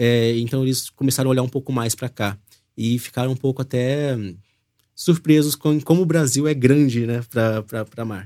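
A man speaks in a plain, everyday voice at a moderate pace and medium pitch. His intonation stays fairly even, and the sound is dry and close with no echo. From Brazil, São Paulo state interior. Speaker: fan content creator. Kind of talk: casual interview. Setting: studio.

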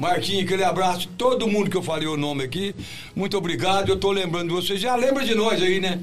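Noticeable background noise sits behind a man's voice. He talks very fast in a high pitch with ordinary pitch variation. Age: 70s. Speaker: rodeio announcer and storyteller. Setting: studio.

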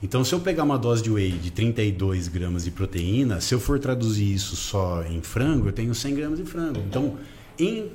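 At a moderate pace, a man speaks in a medium pitch with very wide pitch swings over noticeable background noise. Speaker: nutritionist.

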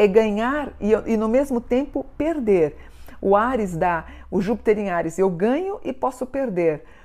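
A woman's fairly high voice with very wide pitch swings, a dark, mellow tone and a moderate pace. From Brazil, São Paulo. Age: 50s. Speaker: spiritual teacher and YouTuber. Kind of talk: casual talk to camera about her astrology chart.

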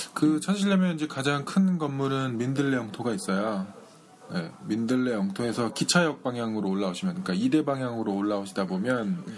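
A man's pitch swings very widely as he talks at a moderate pace over noticeable background noise. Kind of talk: casual chat.

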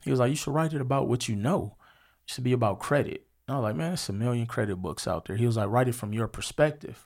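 At a very fast pace, a man with an American accent and medium pitch uses lively intonation in a very clean recording with a silent background. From Milwaukee, Wisconsin (US Midwest). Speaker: entrepreneur and credit educator. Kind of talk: casual interview. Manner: animated.

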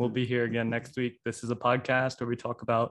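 At a fairly quick pace, a man speaks in a plain, everyday voice with a medium pitch. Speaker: podcast co-host. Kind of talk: casual chat.

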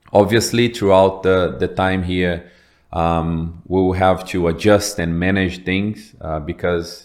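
In a Portuguese accent, a man speaks at a very deep, low pitch and a fairly slow pace with monotone, flat intonation. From Brazil. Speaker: football academy director. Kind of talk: interview. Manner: halting.

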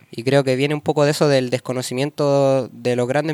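A man speaks at a fairly quick pace in an ordinary speaking voice. His intonation is fairly even, and the sound is dry and close with no echo. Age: 20s. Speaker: rapper. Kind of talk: casual chat.

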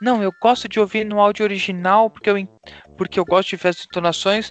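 A man's voice with fairly even intonation. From Brazil. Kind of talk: casual chat.

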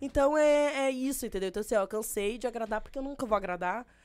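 On a very clean recording with a silent background, a woman talks at a fairly quick pace with ordinary pitch variation in an ordinary speaking voice. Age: 30s. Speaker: festival organizer. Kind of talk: casual chat.

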